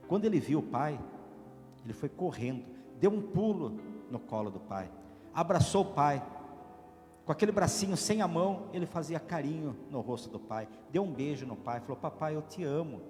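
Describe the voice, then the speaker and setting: Priest preaching, dramatic storytelling, loud then hushed, echoey church, soft guitar behind. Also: male voice, on the high side, very animated, moderate pace. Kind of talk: sermon with storytelling.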